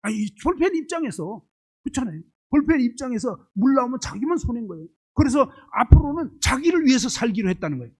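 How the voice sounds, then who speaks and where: A man's voice: extremely high pitch, very animated, quick pace, darkish tone, breathy edge, rough recording. A man preaching a sermon, firing rhetorical questions at the congregation and illustrating his points with homely everyday examples. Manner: asks the congregation constant rhetorical questions, emphatic.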